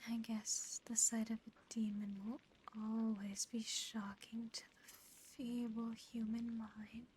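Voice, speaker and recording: A female demon played by a woman whispers close to the mic in a breathy, fairly high voice. She speaks extremely slowly, lingering over her words with taunting, condescending affection. It is an ASMR roleplay with faint ambient noise behind her. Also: level tone, a little mellow. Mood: amused condescension. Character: female sleep paralysis demon, teasing, condescending, darkly affectionate. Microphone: close ASMR microphone.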